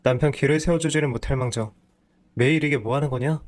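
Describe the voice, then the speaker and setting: A man's voice: mid-range voice, fast, natural voice. A lazy, self-pitying husband whines excuses in a storybook reading, as a man voices him. He sounds close to an everyday male voice, defensive and sulky. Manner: whiny, defensive.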